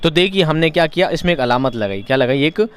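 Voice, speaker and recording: A man's voice: on the high side, expressive, quick pace, clean tone. A man teaching an exam-prep lesson, explaining each point by repeating it in other words and asking rhetorical questions.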